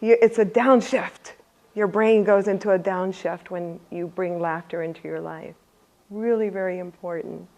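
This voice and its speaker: A woman's voice: lowish voice, normal speed, rough recording. Casting: woman speaker running a workshop, upbeat, laughs easily, draws the audience in with questions. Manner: lively, laughs often, asks the audience questions. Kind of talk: motivational talk to a live audience.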